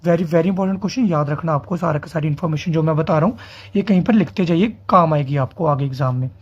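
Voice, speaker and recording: A man teaching competitive exam quiz questions in a brisk, repetitive style. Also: fairly high pitch. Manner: quick, repeats key answers with emphatic checks. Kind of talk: quiz lesson explanation. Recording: dull lo-fi audio.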